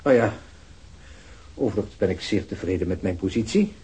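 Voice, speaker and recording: An actor in a radio play playing a cool, evasive male company executive who answers police questions curtly and condescendingly, with a husky voice. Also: low voice, lively intonation, fairly quick, mellow, full character voice. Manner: curt, guarded, condescending. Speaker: business executive. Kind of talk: Dutch radio play acting.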